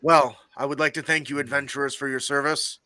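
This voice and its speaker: A man voicing a curt, gruff male frost orc leader in a deep voice for a tabletop game. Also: little pitch movement, a little fast, sharp tone, no echo, close to an everyday voice.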